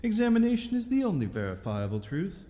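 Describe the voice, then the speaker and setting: An actor playing a stern, contemptuous sorcerer interrogator in a fantasy audio drama, imperious, menacing and deliberate. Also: male voice, sits high, wildly swooping pitch, dark tone. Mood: cold authority. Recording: long echoing reverb, noisy ambience.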